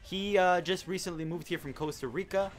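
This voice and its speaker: A man's voice: sits high, a little fast, slight background noise. A teenage boy hosting a casual gaming chat, telling a school story in a rambling, indignant way. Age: teens. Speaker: host.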